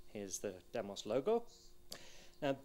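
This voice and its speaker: A man talks with a British accent. His pitch sits fairly high. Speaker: visiting professor, think tank researcher. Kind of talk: lecture.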